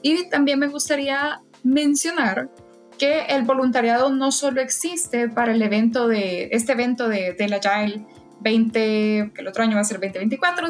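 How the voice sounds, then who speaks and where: A woman guest in a casual interview, talking in a hesitant way with frequent fillers and restarts. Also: fairly high pitch. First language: Spanish. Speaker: podcast guest, event volunteer.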